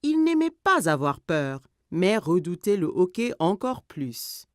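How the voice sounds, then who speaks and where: A woman narrating a children's cartoon story in an expressive, scripted storytelling style. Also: on the low side, a little slow, no room sound, clean studio sound.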